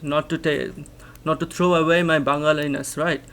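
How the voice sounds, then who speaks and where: With a fairly high, clear, resonant voice that is fairly bright and steady, a young Bangladeshi man talks at normal speed. He's an English teacher and channel host, a native Bangla speaker with a Bangladeshi accent, reading a research paper aloud and unpacking each line. He frequently starts over and asks rhetorical "right?"s while reasoning out loud.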